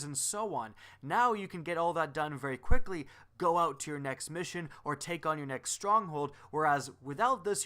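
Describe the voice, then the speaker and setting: A man's voice: a little high, a bit bright. A man hosting a gaming video, giving upbeat, explanatory commentary as a voice-over.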